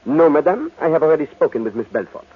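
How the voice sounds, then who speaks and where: Shrewd foreign detective, French accent, raspy, animated intonation, formal and courteous, old radio drama. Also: male voice, fairly high pitch. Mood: grave, firm. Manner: formal, measured, gently probing. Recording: tinny, band-limited old radio recording.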